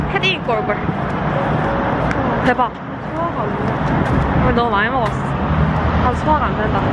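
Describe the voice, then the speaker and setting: Over loud background noise, a woman talks at a fairly quick pace but with long, frequent pauses. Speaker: university student and beauty vlogger. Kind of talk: casual vlog talk to camera. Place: street. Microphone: phone near.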